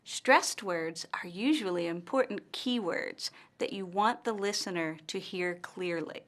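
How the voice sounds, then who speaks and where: A woman narrating a scripted language lesson, speaking slowly and carefully with clearly marked stress and pauses. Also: mid-range voice, a bit bright. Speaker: language teacher.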